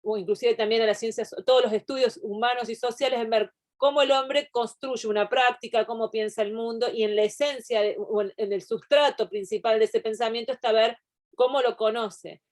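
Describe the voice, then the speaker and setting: A woman with a fairly high, darkish voice and fairly even intonation speaks briskly while teaching a university class over video call. She explains at length in a digressive way, thinking aloud with frequent restarts and tangents, as in an online lecture.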